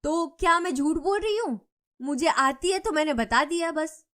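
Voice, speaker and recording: A woman voicing a quarrelsome, scheming middle-aged female neighbor who talks loudly and accusingly in a cartoon story. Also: lively intonation, moderate pace. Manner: loud, accusing and shrill.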